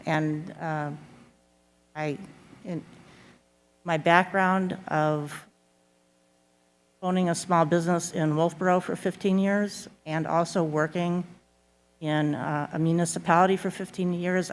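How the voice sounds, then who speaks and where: A middle-aged woman giving a measured, halting closing statement as a candidate at a public forum. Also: deep voice, steady tone. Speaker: candidate for town board. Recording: echoey hall with long reverb.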